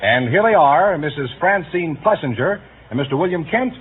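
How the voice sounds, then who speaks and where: Brisk announcer, tinny old broadcast. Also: male voice, fairly high pitch, animated, slightly rough. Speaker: show announcer. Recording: lo-fi 1950s broadcast audio, music.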